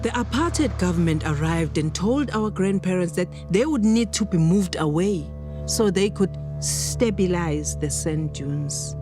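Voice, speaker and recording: A solemn granddaughter from a line of healers tells her story in a radio play. Her delivery is slow, measured and emphatic. Music plays clearly underneath. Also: fairly low pitch, expressive. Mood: solemn, mournful. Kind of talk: dramatic storytelling monologue.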